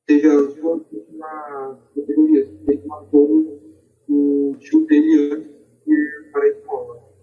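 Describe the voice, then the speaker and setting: A man's voice: a little high, mellow. A Brazilian man explaining his points in a podcast discussion, recorded on a distant, dull lo-fi microphone. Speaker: podcast participant.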